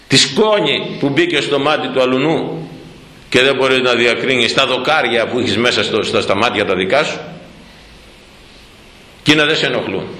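A man preaching a sermon, animated, slowing down to quote old scripture. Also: mid-range voice, reverberant, rough recording.

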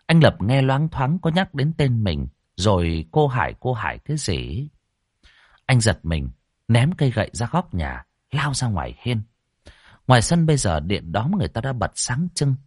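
A man narrating a ghost story in a dramatic, expressive way. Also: medium pitch, normal speed, slightly rough, dry recording, clean studio sound.

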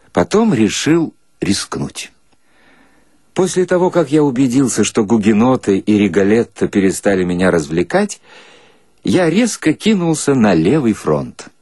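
A man reading satirical prose as an actor, in a theatrical, ironic and expressive narrating style. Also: medium pitch, breathy edge, no room sound, studio quality. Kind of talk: expressive dramatic literary narration.

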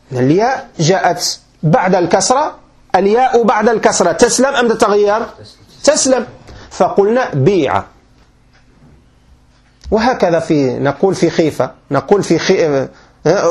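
A man's voice: high voice, a little mellow. A man with a Moroccan Arabic accent teaching a classroom grammar lesson as a sheikh, patiently repeating points and often quizzing his listeners with check questions.

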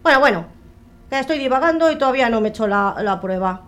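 A woman's voice: a little high, animated, close to an everyday voice. A woman playing a fretful young mother. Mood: exasperated. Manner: quick, fretful musing.

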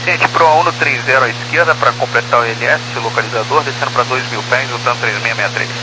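A man's voice: medium pitch, fast talker. A man giving procedural readbacks over a two-way aviation radio. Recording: noisy humming aircraft radio transmission.

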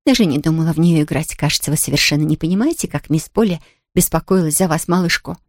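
A woman's voice: low voice, fast, no echo, studio quality. A woman doing a blunt, fussy housemaid. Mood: scolding. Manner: blunt and scolding, then fervent. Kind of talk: audiobook character reading.

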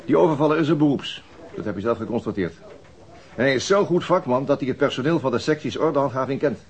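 An actor playing a demanding, impatient police investigator in a radio crime drama, terse and needling. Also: male voice, mid-range voice, animated, quick pace, close to an everyday voice. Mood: insistent. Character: demanding, impatient male police investigator pressing his colleague.

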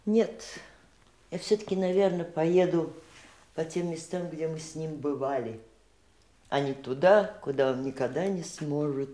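Актриса играет сдержанную, гордую женщину, которая размеренно и задумчиво рассуждает о жизни после смерти близкого. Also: female voice, deep voice, mellow. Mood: reflective. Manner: measured, reflective, faintly disdainful. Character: composed woman facing widowhood, reflective and proud. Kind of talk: 1980s stage radio play acting. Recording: echoey stage recording.

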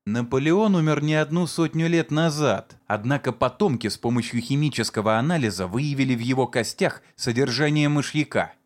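A man voicing a vengeful man who sneers at and shouts accusations against his brother-in-law. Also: mid-range voice, a little fast, hardly any pauses, pitched above the performer's own voice, lightly acted. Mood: sneering accusation.

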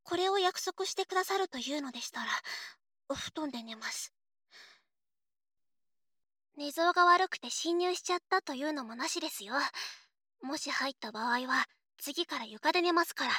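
High-pitched young woman played by a voice actress, prim, stubborn, flustered, polite scolding, intimate audio drama, very dry sound. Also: animated, moderate pace, pauses often, pushed and bright, no echo. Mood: insistent, reserved. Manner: polite formal speech, hesitant, flustered, scolding. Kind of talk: Japanese audio drama, intimate role-play to listener.

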